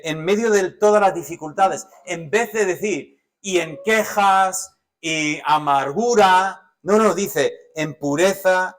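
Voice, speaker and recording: Animated man preaching from Spain. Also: a little high. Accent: Spanish from Spain. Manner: animated, varies loudness widely, drops to soft asides. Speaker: pastor. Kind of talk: sermon.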